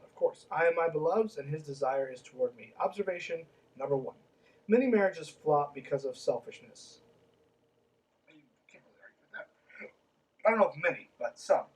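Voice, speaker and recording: Male podcast host, fairly high voice, reads then riffs with profane sarcasm; sits a little away from the mic. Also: distant mic, low-quality recording. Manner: sarcastic, swears freely, reads then interrupts himself. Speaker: podcast host reading and commenting on a book. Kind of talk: casual commentary while reading aloud.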